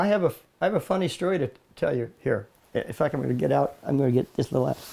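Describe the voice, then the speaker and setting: This voice has an American accent, vocal fry and a dark, mellow tone. It moves at a very fast pace with lively intonation. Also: man, fairly high pitch for a man. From US Midwest, Kansas City, Missouri. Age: 80s+. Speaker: Olympic rower. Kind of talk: interview storytelling. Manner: hesitant, many fillers.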